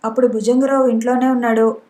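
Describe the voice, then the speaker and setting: A woman narrating a novel as an audiobook in a steady, even reading manner. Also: fairly high pitch, fast. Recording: roomy echo.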